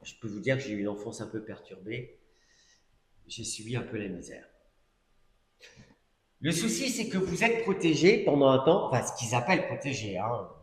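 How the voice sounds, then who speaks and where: A man's voice: mid-range voice, sing-song, moderate pace, long pauses, slight background noise. Middle-aged male preacher, casual storytelling testimony with asides, roomy church echo. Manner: conversational storytelling with many asides and fillers. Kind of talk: testimony sermon. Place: church hall. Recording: echoey church hall recording.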